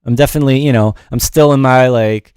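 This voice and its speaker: A man's voice: medium pitch, steady tone, fast, darkish tone, smooth, dry recording. Casual middle-aged man, dry close sound. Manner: rambling, informal, self-deprecating. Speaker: music production teacher and show host. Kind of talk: casual livestream tutorial.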